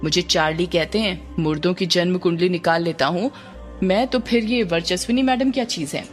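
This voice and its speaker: A woman's voice: lowish voice, normal speed, soft background music, lightly acted. A woman voicing a sly, boastful police constable who grumbles to himself and gets flustered. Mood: smug.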